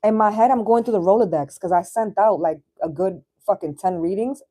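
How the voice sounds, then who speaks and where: A woman's voice: mid-range voice, brisk, warm tone. A woman in her thirties talking as a tarot reader on a livestream, in a chatty, slangy, casual way that takes in some swearing. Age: 30s. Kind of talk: casual live chat and tarot reading.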